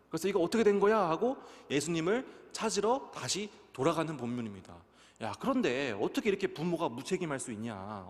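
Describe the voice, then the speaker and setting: Animated man preaching in a church hall. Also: fairly high pitch. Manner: animated, acts out quoted dialogue in a raised voice. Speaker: youth pastor. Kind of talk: sermon. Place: church sanctuary.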